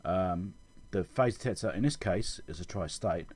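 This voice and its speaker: A man giving an informal technical explanation as a channel host, halting and correcting himself as he thinks aloud. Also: sits low, darkish tone. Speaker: electronics repair channel host.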